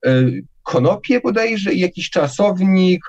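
A man's voice: high voice, expressive, measured pace, a little mellow, highs cut off. A man giving an interview, talking casually and hesitantly, often restarting his words. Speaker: interview guest.

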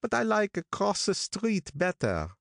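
High, strange-toned old gangster, slow and brooding, self-important, audiobook. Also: male voice, wildly swooping pitch, gravelly, fairly bright tone, no echo, studio quality, exaggerated voice. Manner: slow, brooding, drawn-out delivery. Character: older male gangster, gloomy, sentimental, self-important.

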